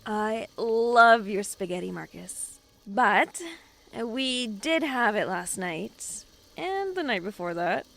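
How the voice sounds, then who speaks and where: A woman's voice: mid-range voice, expressive, slow pace, creaky, a bit bright, full character voice. A woman playing a dryly teasing young woman new in town, in a naturalistic audio drama.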